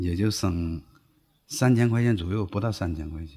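With a Northeastern Chinese accent, a man talks at a moderate pace in a very deep, low voice that is somewhat breathy, dark and mellow, with ordinary pitch variation. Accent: Northeastern Mandarin. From Northeast China, Jilin Tonghua. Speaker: security guard. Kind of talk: casual interview chat.

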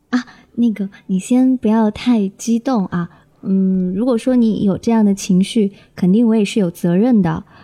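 A soft-spoken woman's somewhat breathy voice, dark and mellow in tone, gentle, fairly high in pitch, with fairly even intonation, a moderate pace and very even loudness. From Jiangsu, China. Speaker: Japanese-language content creator. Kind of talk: casual chat. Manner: gentle, soft-spoken.

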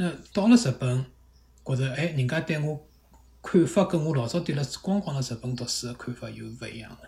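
Fairly high-pitched for a man, his somewhat breathy voice has a dark, mellow tone, lively intonation, big swings in loudness and a fairly quick pace. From Shanghai, China. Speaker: former soldier and finance worker. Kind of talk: casual chat.

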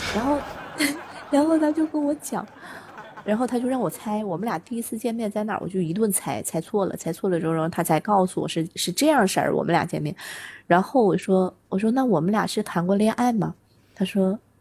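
Somewhat breathy and dark, mellow in tone, a woman speaks at a fairly quick pace in a medium pitch with lively intonation. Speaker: caller. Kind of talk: casual phone chat.

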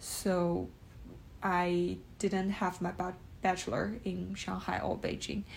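A woman with a Chinese accent, very slow, with long, frequent pauses and audible room echo. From eastern China, Hefei, Anhui. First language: Mandarin Chinese. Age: 20s. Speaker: podcast co-host, PhD student. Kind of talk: casual chat.

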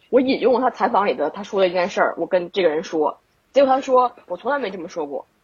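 In an animated tone, a woman with a medium pitch speaks at a very fast pace with lively intonation. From Beijing, China. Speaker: football media interviewer. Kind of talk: casual chat.

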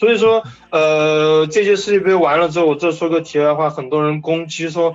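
In a normal speaking voice, a man with a fairly high pitch speaks at a moderate pace with fairly even intonation. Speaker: football fan. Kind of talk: casual interview chat.

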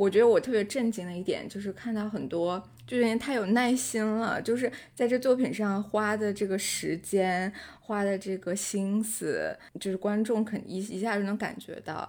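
Captured on a very clean recording with a silent background, a woman with medium pitch talks at a moderate pace with fairly even intonation, a normal speaking voice. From Northeast China, Liaoning. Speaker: podcast host. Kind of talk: casual interview.

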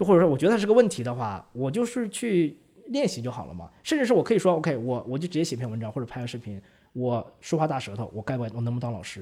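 Very fast and somewhat breathy, this man speaks with a dark, mellow tone at medium pitch. His pitch swings very widely and his loudness shifts a lot. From Shandong, raised in Northeast China. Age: 30s. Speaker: English teacher and blogger. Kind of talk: casual chat.

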